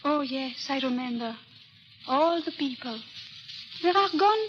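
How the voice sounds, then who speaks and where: An actress playing a distressed, volatile young foreign society ward in theatrical old-time AM radio drama style. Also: female voice, lively intonation, measured pace, slight background noise. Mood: subdued. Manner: theatrical, highly emotional. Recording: dull AM radio sound, music.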